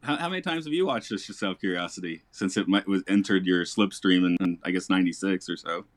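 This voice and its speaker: Chatty low-voiced man on a podcast. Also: fast talker, dry recording. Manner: chatty, laughs often, rambling restarts. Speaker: podcast host, English teacher. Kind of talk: casual podcast chat. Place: lives in Japan.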